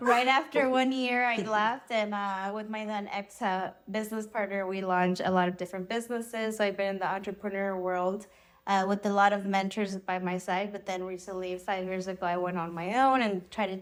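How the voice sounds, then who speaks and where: On a very clean recording with a silent background, a woman with an ordinary speaking voice talks at a medium pitch and a fairly quick pace, with fairly even intonation and hardly any pauses. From US, Arizona (Mexican-born, moved at four). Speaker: entrepreneur. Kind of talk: podcast interview.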